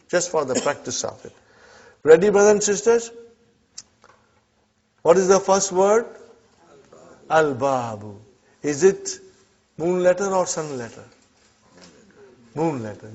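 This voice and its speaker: Man, language teacher, fairly high voice, keeps checking in with the class, muffled classroom recording. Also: darkish tone. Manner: checks in often with "huh?" and "brothers and sisters". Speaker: Arabic teacher. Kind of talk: classroom grammar lesson.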